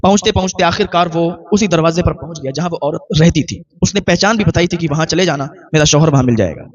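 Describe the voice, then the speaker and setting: A man's voice: a little high, fast, distant mic, dull audio. A man narrating a moral religious tale in an earnest, preachy manner. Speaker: religious storyteller.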